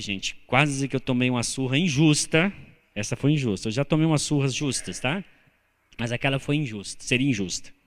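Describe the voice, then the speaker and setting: A man with a Brazilian Portuguese accent preaching a sermon as pastor, telling humorous personal stories with animated delivery. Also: mid-range voice. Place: church sanctuary. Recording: church hall reverb.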